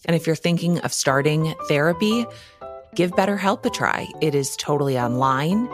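A woman's voice: sits low, expressive, normal speed. A woman podcast host reading an upbeat sponsor message and introducing her show. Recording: studio read over clear music.

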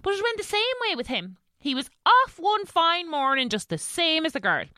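A woman's voice: very high voice, sing-song, moderate pace, bright, forceful tone, no echo, clean studio sound, heavily acted. A woman playing a kindly, fussing housekeeper in an audio drama, chatty and colloquial, with a rural English accent. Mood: wistful, gossipy. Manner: chatty, colloquial servant's storytelling.

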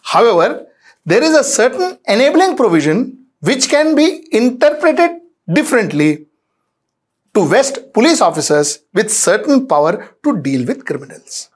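A man's voice: extremely high pitch, very animated, unhurried. A man with an Indian accent hosting an explanatory news editorial, speaking emphatically, repeating phrases for weight and mixing Hindi phrases into English. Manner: emphatic, repeats phrases, poses rhetorical questions. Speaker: editorial host. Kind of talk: explanatory news commentary to viewers.

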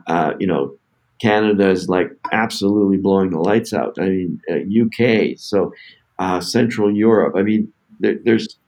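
A man, a company founder and CEO, answering podcast interview questions in a halting way with many fillers and restarts. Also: fairly low pitch, darkish tone.

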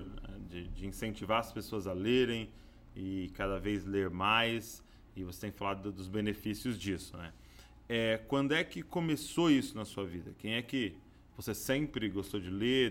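A man's voice: lowish voice, a bit bright. A man with a Brazilian accent hosting a podcast, asking easygoing interview questions. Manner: easygoing, asks questions with fillers like "né". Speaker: podcast host.

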